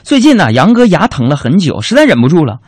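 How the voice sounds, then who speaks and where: Playful radio host. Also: male voice, fairly high pitch, huge pitch swings, fast talker, darkish tone, slightly rough, no echo. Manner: playful, self-mocking storytelling. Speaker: radio talk show host. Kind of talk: comic radio chat reading listener messages.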